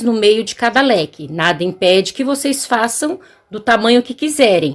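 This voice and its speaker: A woman speaks at a fairly slow pace. Her fairly high voice moves through very wide pitch swings. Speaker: crochet teacher. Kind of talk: tutorial.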